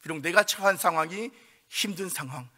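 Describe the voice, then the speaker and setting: High, bright-voiced male preacher. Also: brisk. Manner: emphatic, swings from loud ringing pleas to low quiet asides. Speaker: pastor. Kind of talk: Friday prayer meeting sermon. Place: church sanctuary.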